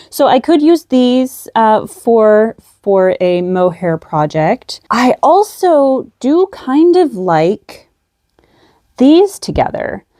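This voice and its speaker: A woman's voice: mid-range voice, darkish tone, no echo, studio quality. A woman vlogging casually at a table, musing aloud about her yarn, slightly out of breath, with many ums. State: a little out of breath. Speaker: craft vlogger. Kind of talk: casual show-and-tell chat.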